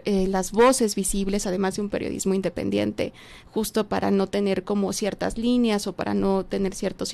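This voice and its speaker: A woman's voice: medium pitch, darkish tone. A woman moderating an interview, asking formal questions in a polite, slightly hesitant way. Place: university auditorium.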